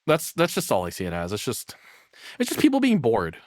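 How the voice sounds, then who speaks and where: A man's voice: medium pitch, wildly swooping pitch, brisk, a little mellow, no room sound, studio quality. A man giving casual, off-the-cuff reaction commentary, rambling and blunt, with plenty of swearing. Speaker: streamer reacting to a video.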